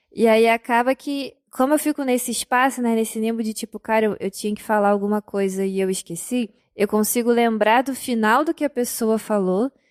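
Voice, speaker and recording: A soft-spoken woman talks with hardly any pauses at a fairly high pitch. The sound is dry and close with no echo, on a very clean recording with a silent background. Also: ordinary pitch variation, moderate pace. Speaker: podcast host. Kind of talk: personal testimony. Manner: casual.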